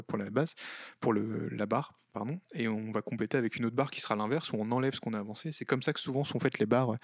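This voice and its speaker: Chatty man explaining software formulas. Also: mid-range voice, no echo, clean studio sound. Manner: casual, chatty, full of fillers and self-corrections. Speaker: tutorial host. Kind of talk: screen-recorded software tutorial.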